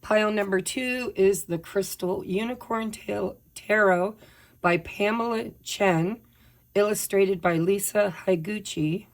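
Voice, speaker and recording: A woman, slightly hoarse while her voice recovers, chatting casually and apologetically through a pick-a-pile tarot reading. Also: mid-range voice, slow, rough recording. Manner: chatty, apologetic, tells personal updates while shuffling. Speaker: tarot reader.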